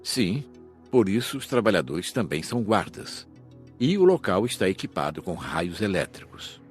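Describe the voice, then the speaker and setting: A Brazilian man voicing an assured spirit guide in an audiobook, matter-of-fact and slightly husky. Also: sits low, big pitch swings, moderate pace, soft background music. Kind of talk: audiobook dialogue reading.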